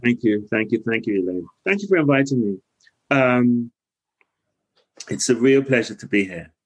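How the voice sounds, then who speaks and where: A man from Guyana, a podcast guest, reflectively telling his life story with some halting restarts. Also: mid-range voice, lively intonation.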